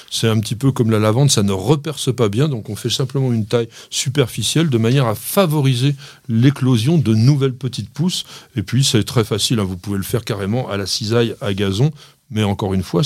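A man's voice: mid-range voice, a little mellow, no echo. Man giving gardening advice, dry studio. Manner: didactic, addressing listeners directly. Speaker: gardening show host. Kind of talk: radio gardening advice chat.

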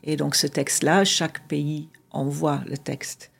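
Middle-aged woman interviewee, Dutch speaker, gravelly and husky voice, chatty but halting with fillers. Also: low-pitched, steady tone. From Belgium (Flanders, near Ghent). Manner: hesitant, many fillers, searching for words. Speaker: guest, association founder. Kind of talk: casual conversational interview.

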